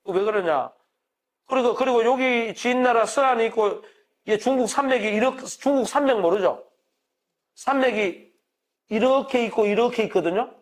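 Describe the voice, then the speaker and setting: With a very high voice at normal speed, this middle-aged man from Gyeongsang, Korea, gives a university classroom lecture in his regional accent. His style is conversational, posing questions to the audience and then answering them.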